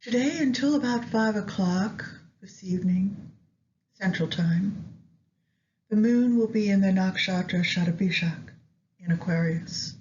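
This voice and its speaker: Woman, meditation guide, very slow and gentle, long pauses, dull lo-fi recording with noise behind. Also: medium pitch. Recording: dull lo-fi audio with background noise.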